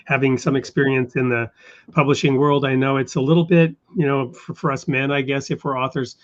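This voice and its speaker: A man's voice: mid-range voice, level tone. Man hosting an interview, lo-fi sound. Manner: measured, thoughtful with frequent fillers. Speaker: show host. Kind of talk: interview conversation.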